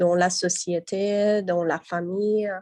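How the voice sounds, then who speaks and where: A woman's medium-pitched voice at a very slow pace, in fairly even intonation, with a dry, close sound and no echo. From Iran. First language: Persian (speaking French). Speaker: conference participant, teacher. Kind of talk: audience contribution, personal anecdote. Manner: halting, many hesitations.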